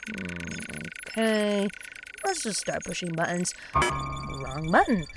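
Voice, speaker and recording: An actress playing a scrappy, sweary woman engineer in an audio drama, muttering to herself in an animated, exasperated way. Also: on the low side, slow, creaky, over loud music, full character voice. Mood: distracted muttering.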